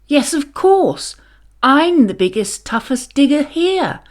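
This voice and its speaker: A woman's voice: high-pitched, sing-song, slow pace, pitched above the performer's own voice, heavily acted. A woman voicing a young male digger machine in a children's storybook, timid and pleading one moment, bragging the next. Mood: proud, boastful. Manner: hesitant, pleading when scared, bragging when proud.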